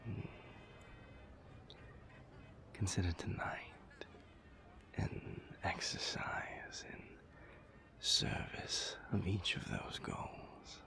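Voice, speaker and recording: A man playing an urbane, old-souled vampire lover in an intimate audio roleplay, wry and tender, speaking in languid, formal phrases with a breathy murmur. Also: steady tone, slow, sharp tone, whispered, exaggerated voice. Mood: tender, seductive. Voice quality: breathy, low, creaky.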